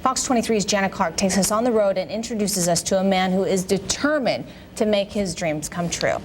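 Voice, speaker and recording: A woman's voice: medium pitch, brisk, a little hiss or hum. A woman anchoring television news, introducing and closing a report in a presenter's delivery.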